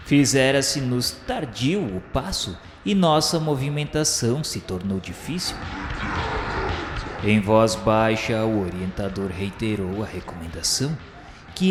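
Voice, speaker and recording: Guy acting as earnest spirit narrator, brazilian accent, solemn radio drama, mid voice, big echo, music underneath. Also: on the low side. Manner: solemn, literary, carefully enunciated. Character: earnest male spirit recounting a journey through darkness. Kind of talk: scripted first-person dramatic narration. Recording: reverberant studio sound with music bed.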